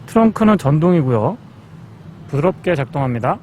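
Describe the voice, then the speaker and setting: A man's voice: on the high side, big pitch swings, fairly quick, dark tone, a little hiss or hum. A man presenting a test-drive review as a car reviewer, explaining things politely.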